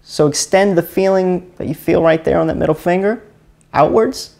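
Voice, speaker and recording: A man's voice: high-pitched, moderate pace, creaky, darkish tone. Rambling man with a Louisiana accent. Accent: Louisiana, Chalmette. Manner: rambling, fumbling, repeats words. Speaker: live stream host teaching energy healing. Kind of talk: casual live stream instruction.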